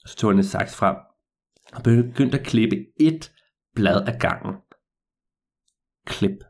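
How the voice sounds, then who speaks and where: A man telling a story to listeners in a lively, meandering way, with hesitations and repeats. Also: on the low side.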